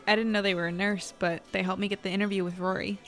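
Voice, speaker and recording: An actress playing an earnest, slightly uncertain newspaper reporter, talking in a natural, conversational way. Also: female voice, medium pitch, flat delivery, fast talker, soft background music, natural voice. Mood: casual, guarded. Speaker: young reporter. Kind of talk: naturalistic audio drama acting.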